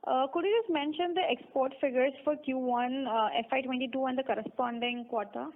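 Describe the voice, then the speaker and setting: A woman's voice: sits high, brisk. An Indian woman calling in to ask questions on a conference call, polite and a little hesitant. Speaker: investor's office caller asking questions. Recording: noisy, narrow phone line with clicks.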